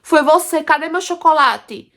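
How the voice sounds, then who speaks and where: A spiteful aunt snaps insults at a child, her voice jumping up high and sharp, as a woman storyteller puts her on. She scolds in short, hard bursts in a spoken tale. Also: a little slow. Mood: shouting scorn. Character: cruel shouting aunt, grown woman, spiteful.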